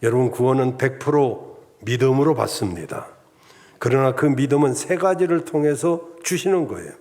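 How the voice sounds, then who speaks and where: Korean man preaching a measured sermon. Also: mid-range voice, lively intonation, a little mellow. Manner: measured preaching with enumerated points and rhetorical asides. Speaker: pastor. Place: church sanctuary.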